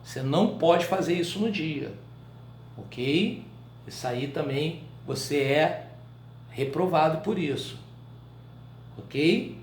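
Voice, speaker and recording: Speaking with a Brazilian Portuguese accent and a fairly high voice, a man leads a live online writing class, explaining things in a loose, colloquial, animated way and tossing quick check-in questions to students. The audio is echoey, as if from a bare room, with slight background noise.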